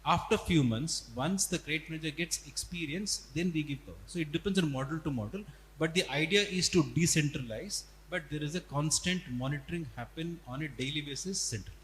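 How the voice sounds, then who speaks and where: A man's voice: a little high, a little fast, fairly bright tone. A man with an Indian accent, a company executive on an earnings call, explaining things step by step with emphatic repetition. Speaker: company executive answering analysts. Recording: echoey reverberant hall, faint noise and hum.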